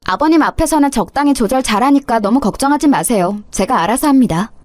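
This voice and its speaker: A woman's voice: on the high side, animated, fast talker, no room sound, clean studio sound, faint music behind, close to an everyday voice. A woman playing a sneering young daughter-in-law. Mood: defiant. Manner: sarcastic, mock-polite. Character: young insolent daughter-in-law, mocking, sly, cruel.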